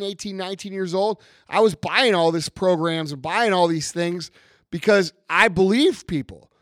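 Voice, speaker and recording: A man hosting a podcast, hoarse and raspy from losing his voice, delivering a blunt, profane motivational rant. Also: high-pitched, dry recording, clean studio sound. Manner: blunt, emphatic, swearing freely. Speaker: podcast host.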